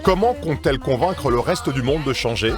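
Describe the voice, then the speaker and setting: Male documentary narrator, mid-pitched, serious and measured, music bed behind. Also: lively intonation. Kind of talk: scripted voice-over narration.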